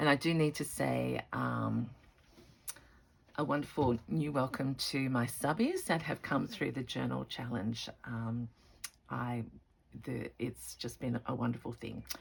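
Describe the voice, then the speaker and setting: Delivered in a put-on character voice, the speech is raspy, low-to-middle in pitch and fairly slow in pace. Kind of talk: friendly welcoming to online followers.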